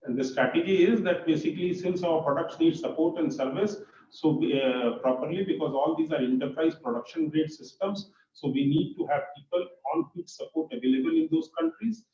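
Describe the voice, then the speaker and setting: A man with an Indian accent answering questions as an executive on an earnings call, speaking haltingly and repeating his phrases. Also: a little high, lively intonation, dark tone. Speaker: company executive. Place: conference call. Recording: muffled, distant, echoey conference call.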